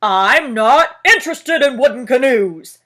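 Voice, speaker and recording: A woman voicing a big, grumpy male bear who talks loudly and fussily in a formal, stuffy way. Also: on the low side, lively intonation, a little slow, pitched below the performer's own voice. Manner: loud, fussy, formal complaining.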